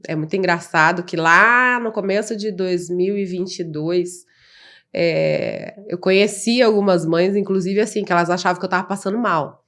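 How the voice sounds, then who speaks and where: A woman's voice: lowish voice, normal speed, fairly bright tone. Outspoken Brazilian woman telling her story. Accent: Brazilian Portuguese. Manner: outspoken, impassioned, blunt. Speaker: guest, mother of an autistic child. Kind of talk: emotional storytelling in a podcast interview.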